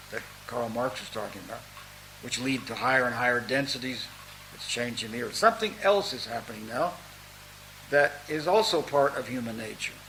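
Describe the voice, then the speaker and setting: A man's medium-pitched voice in an American accent, fairly quick with long, frequent pauses, lively intonation and big swings in loudness, amid audible room echo and noticeable background noise. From USA. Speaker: historian. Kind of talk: lecture.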